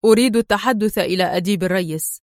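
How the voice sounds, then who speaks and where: A woman voicing a stern, sharp-witted Arab agent man who talks in a curt, firm way. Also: sits high, quick pace, no room sound, studio quality, close to an everyday voice. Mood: feigned cheer.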